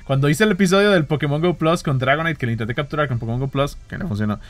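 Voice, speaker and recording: Excitable Costa Rican man gaming outdoors. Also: on the high side, racing, no room sound. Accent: Costa Rican Spanish. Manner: excitable, swearing, laughing at himself. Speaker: gaming vlogger. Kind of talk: casual commentary while playing. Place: outdoors walking near home in the early morning.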